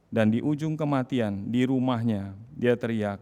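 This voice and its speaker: A man preaching a sermon as pastor, dramatic, swinging from loud cries to hushed tones. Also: mid-range voice, a little slow. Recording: long hall reverb.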